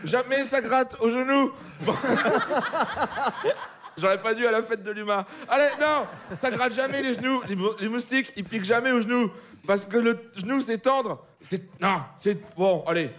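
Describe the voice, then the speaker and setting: A man's voice: very high-pitched, normal speed, fairly bright tone, slight background noise. A man delivering a live comic radio chronicle, rowdy and swearing, laughing at his own jokes, in a studio before an audience. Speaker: comedy columnist.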